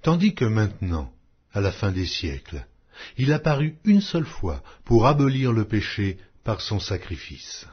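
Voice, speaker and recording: A man with a fairly low, husky voice reads scripture solemnly. His phrasing is measured and declamatory, with strongly varied intonation that rises and falls across each passage. He sounds like an audiobook narrator reading from a script. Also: big pitch swings. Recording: dull lo-fi audio.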